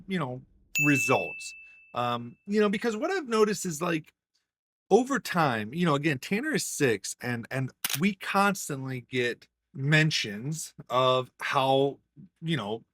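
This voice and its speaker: Lively-voiced dad chatting casually. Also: male voice, on the high side, slight background noise. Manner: conversational, many "you know" fillers. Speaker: single dad vlogger. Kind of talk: casual talk to camera.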